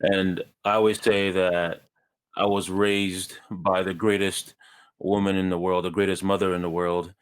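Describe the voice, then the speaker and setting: A man from Ghana, a guest in a conversation, telling his life story in a measured, earnest way with light self-deprecating humor. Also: low voice, little pitch movement, clean tone.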